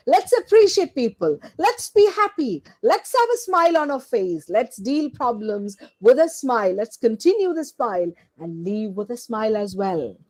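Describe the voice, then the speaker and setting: A woman teacher trainer delivers a slide-based lecture, ticking off points one word at a time. Her voice sits high and husky. She speaks slowly, with lively rises and falls. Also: poor audio. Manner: slow, deliberate delivery with animated pitch.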